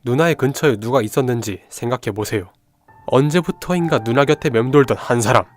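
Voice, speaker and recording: A young man playing a sharp amateur detective who lays out deductions in an analytical, assured way in an audio drama. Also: mid-range voice, fairly quick, natural voice. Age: young adult. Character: sharp young male amateur detective, piecing clues together.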